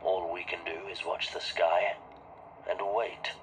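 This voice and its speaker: Deep-voiced, brooding officer. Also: male voice, little pitch movement, a little slow, fairly bright tone, slight background noise, poor audio. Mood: tense, foreboding. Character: grim, uneasy male military officer awaiting attack. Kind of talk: acted sci-fi game audio log.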